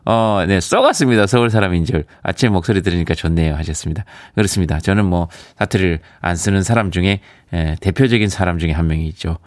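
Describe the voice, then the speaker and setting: A deep-voiced man from Yeongcheon, South Korea, speaks fast with few pauses and no echo, in a Daegu-Gyeongbuk dialect. He hosts a radio show from a studio, chatting casually into a studio microphone, reading listener messages and laughing easily.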